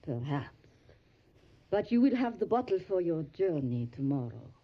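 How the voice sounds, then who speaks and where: Eastern European innkeeper, muffled recording. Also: female voice, lowish voice, very animated. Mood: solicitous. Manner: halting foreign phrasing, tag questions, solicitous. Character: hospitable, anxious Transylvanian innkeeper, superstitious and insistent. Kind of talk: audio drama acting. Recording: dull lo-fi audio, faint music. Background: music.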